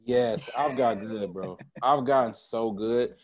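Animated man chatting on a video call. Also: medium pitch, takes it slowly. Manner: animated, scats drum rhythms and freestyles. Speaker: guest musician. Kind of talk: casual video-call chat. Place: home room with jazz tapestry and string lights. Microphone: earbud headset on video call.

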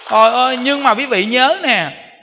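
A Buddhist monk giving an emphatic sermon, full of rhetorical questions and repetition. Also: male voice, very high voice, normal speed, sharp tone, big-room sound, a little hiss or hum.

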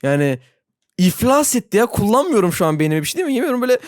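An excitable gaming YouTuber talks viewers through a frustrating level, swinging from low mutters to high squeals with a very lively pitch. The sound is dry and close, with no room around it. The talk is self-mocking and chatty, aimed straight at the audience. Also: very fast, no echo. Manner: talks to viewers directly, laughs often. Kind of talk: Roblox gameplay commentary.

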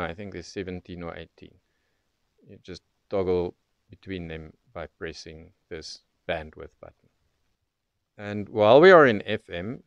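A man's voice: deep voice, creaky, smooth, no room sound. Guy walking thru a gadget demo step by step, clean resonant voice, dry close sound. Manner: methodical step-by-step explaining. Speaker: presenter of radio tutorial. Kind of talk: unscripted product demonstration, explanatory.

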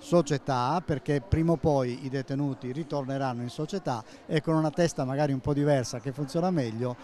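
A retired man in his sixties, a journalist, interviewed at an exhibition stand, speaking in a measured way with fillers. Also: medium pitch, warm tone. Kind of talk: interview at a book fair stand. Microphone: handheld interviewer mic.

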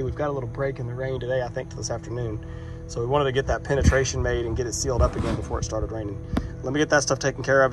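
A vlogger doing electrical work talks casually as he goes, explaining each step and joking about his own mistakes in a chatty how-to walkthrough. His voice is medium-pitched. He's outdoors by a metal shop in a rainy, muddy yard, filmed on a handheld phone.

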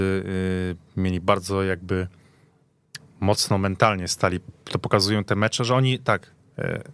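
Male football pundit, slightly deep, conversational storytelling, close dry radio studio sound. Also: a bit bright, no echo. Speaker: football podcast panelist. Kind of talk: casual sports reminiscence.

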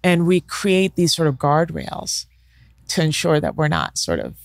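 A woman's voice: deep voice, huge pitch swings, measured pace, gravelly, dry recording. A middle-aged woman, a negotiation professor, talking reflectively as an interview guest on a studio mic, often checking in with "right?". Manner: thoughtful, peppers talk with "right?" and "sort of". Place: bright studio with leather armchairs. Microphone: studio mic on boom arm.

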